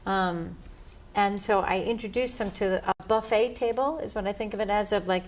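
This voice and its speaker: An American woman who teaches music talks eagerly and tells stories as a guest. Her pitch is mid, and faint background noise runs underneath. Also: normal speed. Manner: enthusiastic, storytelling. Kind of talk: casual interview answers.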